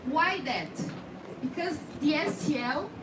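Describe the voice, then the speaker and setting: A woman's voice: high-pitched, animated, takes it slowly. A woman from Brazil with a Brazilian accent and Portuguese as her first language, giving a hands-on technical demonstration and often checking that trainees follow. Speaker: instructor in dental scanning. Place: indoor training room with background noise. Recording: echoey room, distant mic, heavy noise.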